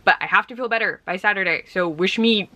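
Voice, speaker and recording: A woman's voice: medium pitch, fast talker, pushed and bright, no room sound. A young woman vlogging in a casual, rambling way, congested and tired, with frequent ums. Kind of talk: casual vlog chat.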